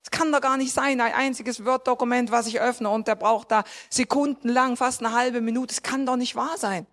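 A woman's voice: fairly high pitch, fairly even intonation, moderate pace, fairly bright tone. A woman preaching a sermon in a conversational way, asking her listeners questions directly and rising to emphatic points.

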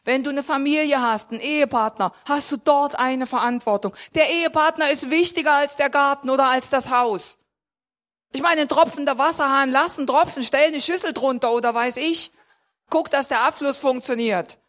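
A woman's voice: high voice, normal speed, fairly bright tone. A woman preaching a sermon in a conversational way, asking her listeners questions directly and rising to emphatic points.

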